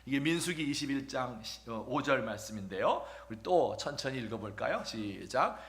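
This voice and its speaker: A man preaching a sermon as pastor, telling a story with questions to the congregation and funny asides, dropping at times to a hushed near-whisper. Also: mid-range voice, lively intonation, normal speed. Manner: acts out quoted voices, drops to a hushed near-whisper at times; humorous asides about married life.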